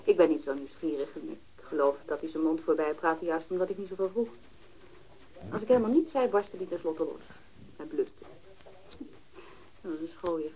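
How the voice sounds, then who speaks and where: An actress playing a blunt, wary and mocking bohemian sculptor in a radio drama. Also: female voice, low-pitched, normal speed, long pauses, dark tone, natural voice. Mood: frank, matter-of-fact. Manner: blunt, challenging. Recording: dull lo-fi old radio recording.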